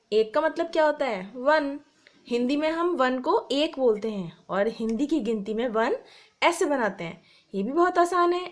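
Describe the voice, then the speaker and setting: A woman teacher giving a slow, patient primary school Hindi lesson, spelling words out letter by letter. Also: high-pitched, a little mellow.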